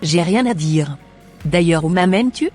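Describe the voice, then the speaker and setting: A woman's voice: lowish voice, animated, moderate pace, darkish tone, soft background music, close to an everyday voice. A woman playing a devout, troubled wife in a Christian cartoon. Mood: guarded. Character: devout, troubled wife praying for her marriage. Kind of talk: dubbed Christian cartoon dialogue, declarative.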